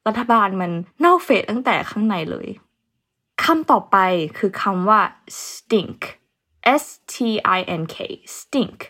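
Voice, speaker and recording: A woman's voice: medium pitch, lively intonation, takes it slowly, bright, forceful tone, breathy edge. A young woman hosting a casual vocabulary lesson, chatting easily and spelling words out letter by letter. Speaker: English teacher host.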